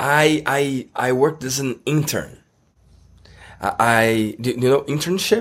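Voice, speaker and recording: With a Brazilian accent and a fairly high pitch, a man speaks with lively intonation and long, frequent pauses in a very clean recording with a silent background. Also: fairly slow pace. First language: Portuguese. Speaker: online course mentor. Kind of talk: casual interview chat. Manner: halting, nervous.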